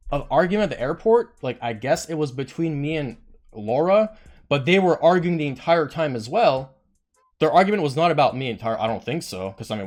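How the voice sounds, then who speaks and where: A man's voice: mid-range voice, a little mellow. A young man streamer telling a rambling, blunt and profane story in a rant. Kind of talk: ranting storytime.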